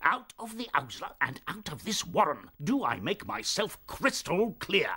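Radio play's elderly rabbit ruler. Doddery, self-important, throat-clearing, extremely animated intonation. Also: male voice, high-pitched, measured pace, heavily acted. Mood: stern, indignant. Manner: hesitant, blustering, throat-clearing. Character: doddering, pompous old male chief rabbit. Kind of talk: radio drama acting.

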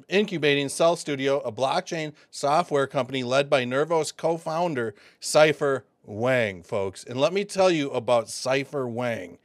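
A man talks through crypto news in an excitable, chatty way, often addressing his viewers as folks. His voice sits at a middle pitch, and the recording is dry and close, with no room sound. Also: no room sound. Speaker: crypto video host. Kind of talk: casual commentary.

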